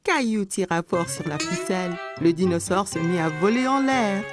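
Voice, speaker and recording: A woman narrating a children's story in an expressive, scripted storytelling style. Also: on the low side, normal speed. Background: music.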